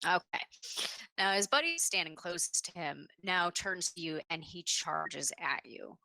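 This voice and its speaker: A woman's voice: on the low side, a little slow, creaky, sharp tone, dry recording. A woman narrating a tabletop game as game master, describing the action vividly with casual fillers.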